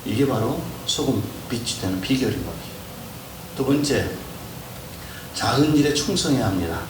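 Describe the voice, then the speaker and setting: A middle-aged male pastor preaching a sermon, swinging between loud exhortation and soft hushed asides and acting out family voices. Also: medium pitch, animated, moderate pace. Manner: acts out scolding and kind family voices. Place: church hall. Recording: roomy, distant mic with background noise.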